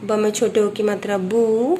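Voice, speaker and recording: A woman teaching a slow phonics lesson to young children, patiently spelling out each letter and vowel sign one at a time. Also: medium pitch, steady tone, mellow, a little hiss or hum. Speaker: primary school teacher.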